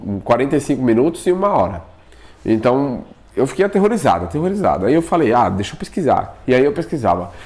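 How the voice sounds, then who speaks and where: A man, telling a personal experience in casual spoken storytelling and acting out what he said back then. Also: medium pitch. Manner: animated, acts out his own past pleas, often asks himself "por quê?".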